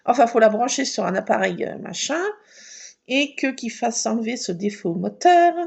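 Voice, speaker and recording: A woman's voice: on the high side, moderate pace, vocal fry, breathy edge, highs cut off. A woman vlogger telling a casual story, laughing often and acting out dialogue and sounds. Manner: lively, laughing, acts out dialogue and alarm sounds.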